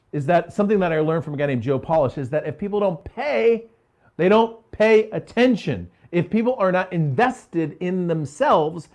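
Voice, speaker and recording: Middle-aged man telling business stories. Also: a little high. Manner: conversational, checks in with "okay?". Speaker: business coach. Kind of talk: storytelling business talk to a live audience. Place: home office.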